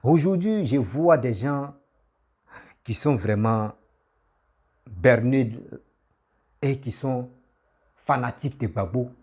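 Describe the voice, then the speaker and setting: A man's voice: medium pitch, expressive, slow pace, long pauses, darkish tone, slightly rough. A man who has a cold, giving a casual, insistent political rant that scolds his listeners. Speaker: political commentator.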